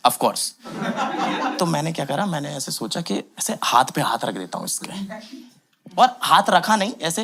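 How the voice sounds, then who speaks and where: A young man performing a stand-up comedy set, telling a story with animated acted quotes. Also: a little high. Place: comedy club stage with audience. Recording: loud background noise.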